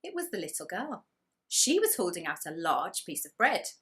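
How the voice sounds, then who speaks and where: A woman storyteller reads for young children in a bright, fairly low voice. Her delivery is animated and expressive, leaning on key words for dramatic effect. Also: normal speed. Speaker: storyteller reading to primary school children.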